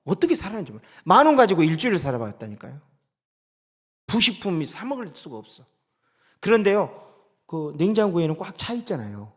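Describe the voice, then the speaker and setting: A middle-aged man preaching a sermon as pastor, dramatic, moving from loud declarations to soft asides. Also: high voice, sing-song, fairly quick, pauses often.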